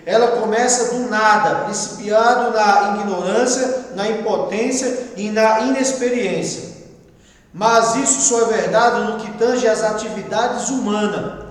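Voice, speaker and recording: A Brazilian man teaching a Bible class as pastor, reading a text and explaining it in a conversational way with quiet asides. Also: sits high, measured pace. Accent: Brazilian Portuguese. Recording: echoey room with long reverb.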